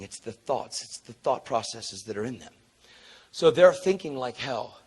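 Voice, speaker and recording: A man preaching a sermon through a story, acting out the people he quotes with sudden loud high jumps and dropping to a soft, earnest low tone. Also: husky. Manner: animated, acts out quotes with big jumps in pitch and volume; drops to a low, soft, earnest tone for tender moments.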